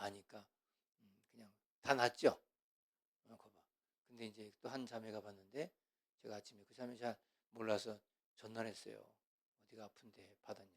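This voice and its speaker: A man preaching as a pastor in an animated lecture, full of rhetorical questions and swinging from loud to hushed. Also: on the low side, creaky. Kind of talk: sermon lecture.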